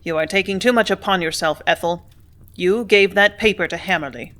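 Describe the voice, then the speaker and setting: A woman's voice: lowish voice, fairly quick, fairly bright tone, lightly acted. A woman reading the part of a brusque, blustering male factory superintendent who snaps and roars at his clerk. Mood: angry. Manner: snapping, roaring, bullying.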